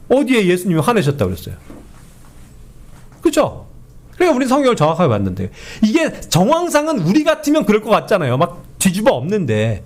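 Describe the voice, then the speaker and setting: A man teaching a Bible study in an animated way, who keeps asking his listeners to agree and acts out quoted speech. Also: sits high. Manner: animated, often asks the group for agreement.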